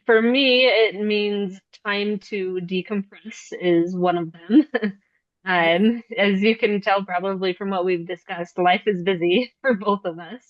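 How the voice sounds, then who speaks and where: A woman's voice: mid-range voice, steady tone, takes it slowly, no room sound, lo-fi sound. A woman guest answering an interview question over a video call, thoughtful and hesitant with many ums. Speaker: coach, guest.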